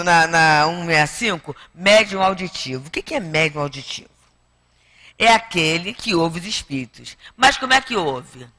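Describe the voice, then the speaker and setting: A woman's voice: fairly low pitch, bright, forceful tone, big-room sound. A woman with a Brazilian Portuguese accent giving a spiritist lecture to an audience in a chatty way, with many tag questions. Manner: conversational, with frequent tag questions. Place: spiritist center lecture hall.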